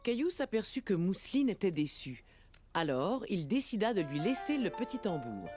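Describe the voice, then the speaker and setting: A woman's voice: mid-range voice, big pitch swings, moderate pace, close to an everyday voice. A woman playing the kindly narrator of a preschool cartoon, telling the story expressively. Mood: gentle. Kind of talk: scripted children's story narration. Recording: music behind the voice.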